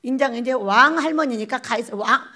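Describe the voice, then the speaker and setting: An older woman pastor preaching a lively storytelling sermon, acting out little exchanges and laughing as she goes. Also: fairly high pitch, a little fast. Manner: animated, acts out quoted exchanges, laughs often. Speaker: pastor, head of a prayer retreat.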